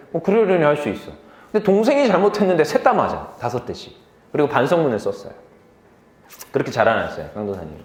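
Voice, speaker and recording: A young man preaching a sermon to a youth group, telling stories from his life in a lively way, laughing easily and asking the listeners questions. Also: mid-range voice, roomy sound. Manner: lively storytelling, quick to laugh; asks the listeners questions directly.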